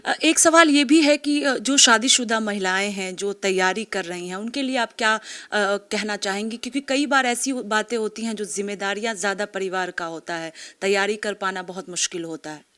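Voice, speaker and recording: A woman's voice: medium pitch, normal speed, few pauses, pushed and bright. A woman TV news reporter asking an interviewee formal, long-framed questions.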